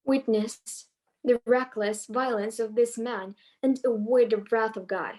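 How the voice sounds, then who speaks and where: A woman playing a solemn, righteous suppliant in a measured, formal reading of Greek tragedy. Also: a little high, fairly even intonation, darkish tone, close to an everyday voice. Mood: warning. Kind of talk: live dramatic reading of ancient Greek tragedy. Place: online video call.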